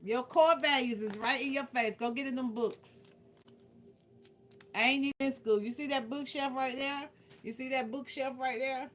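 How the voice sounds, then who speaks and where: A tarot card reader hosting a livestream speaks in a high, fairly bright voice with fairly even intonation and a moderate pace. Her casual reading mixes playful, blunt advice with repeated phrases for emphasis. The background is clearly noisy, with clicks.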